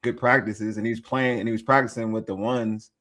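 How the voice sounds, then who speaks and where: Excitable man talking football, AAVE. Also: fairly low pitch, brisk. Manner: excitable, laughs often, rambling restarts. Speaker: podcast host. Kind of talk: casual sports chat.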